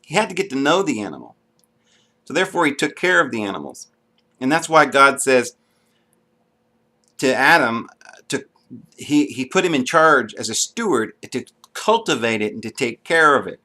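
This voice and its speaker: A man's voice: mid-range voice, very animated, normal speed, pauses often, sharp tone. A man giving an unscripted, earnest monologue to camera, with frequent ums and restarts. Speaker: video blogger.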